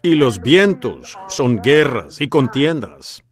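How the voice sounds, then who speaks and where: A man's voice: medium pitch, big pitch swings, slow pace. A man preaching a dubbed sermon in a fervent, exhorting way.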